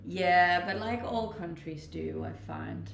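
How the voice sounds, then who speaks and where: A woman's voice: on the low side, slow pace, vocal fry, reverberant, slight background noise. A young woman with a Danish accent, chatting casually with viewers on her stream and laughing easily. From Denmark. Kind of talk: casual chat reading viewer questions. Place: rented house, indoors.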